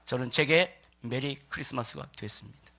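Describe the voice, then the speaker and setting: Male pastor, low-pitched bright forceful voice, church sermon delivery, emphatic deliberate phrasing, rhetorical questions. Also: gravelly. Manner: puts rhetorical questions to listeners. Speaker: pastor preaching.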